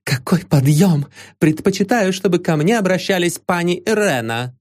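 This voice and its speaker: Man putting on an excited, shrill young lady. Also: normal speed. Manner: high, breathless, rising exclamations. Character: agitated young woman, nervous and excitable.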